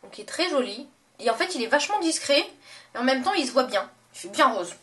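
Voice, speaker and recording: A young woman with a fairly high voice gushes over her beauty products in a relaxed, chatty vlog. She trails into fillers and corrects herself often. Her voice sounds a little distant from the camera mic. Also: fast talker, a little hiss or hum. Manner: chatty and gushing, many fillers and self-corrections. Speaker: beauty vlogger. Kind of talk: casual makeup haul vlog.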